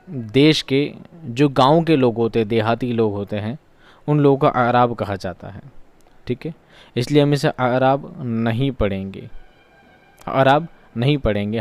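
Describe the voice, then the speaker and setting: Male online teacher, smooth voice in a dry close recording. Quizzes himself and repeats key words. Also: mid-range voice, no room sound. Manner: asks questions and answers them himself. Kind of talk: exam-prep lesson.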